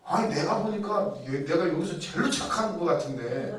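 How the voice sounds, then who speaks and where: A man's voice: sits high, lively intonation, moderate pace. A man preaching a sermon in a chatty way, asking rhetorical questions and acting out people's inner thoughts. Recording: very echoey room, heard from a distance.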